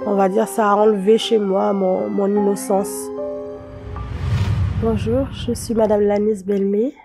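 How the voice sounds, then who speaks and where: A woman from French Guiana giving a personal testimony, speaking hesitantly with many pauses and restarts. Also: mid-range voice, little pitch movement, creaky, over music.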